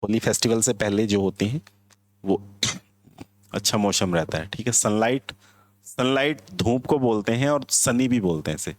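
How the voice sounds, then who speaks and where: Indian male English teacher, lowish voice, dry close sound, classroom explainer. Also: normal speed, no room sound. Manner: explains word by word, mixing simple English phrases into Hindi. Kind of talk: classroom vocabulary lesson.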